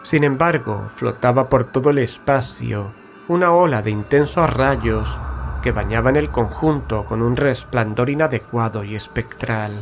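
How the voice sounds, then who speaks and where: A man narrating a literary horror story in a measured, solemn, carefully enunciated dramatic style. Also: medium pitch. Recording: background music under studio narration. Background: music.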